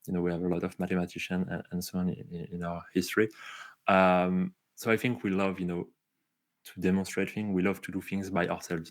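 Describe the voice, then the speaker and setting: A man with a Parisian accent, very deep and low in pitch, monotone and flat in intonation, at a fairly quick pace, on a very clean recording with a silent background. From France, Paris. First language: French. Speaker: tech company co-founder and executive. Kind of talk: interview conversation. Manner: hesitant, many fillers.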